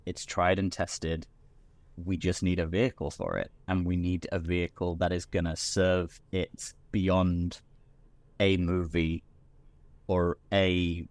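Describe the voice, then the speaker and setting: A British man, a podcast guest, talking in a relaxed, rambling way with many restarts. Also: low voice, dry recording. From Britain. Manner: chatty, full of restarts and repeated words. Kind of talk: casual chat.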